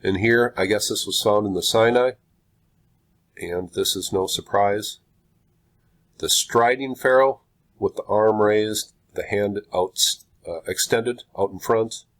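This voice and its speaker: A man with a stuffed-up, congested voice, hosting a video in casual commentary with slow, halting phrasing and frequent pauses. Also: fairly low pitch. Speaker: video host. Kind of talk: casual commentary, reading aloud from a website.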